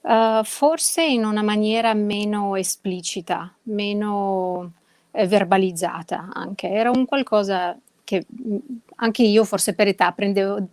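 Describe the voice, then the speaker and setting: Woman from Sweden, mid-pitched, dry close sound, hesitant, reflective unscripted talk. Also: darkish tone, no room sound. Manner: hesitant, pausing with hums to find words. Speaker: guest singer at a panel.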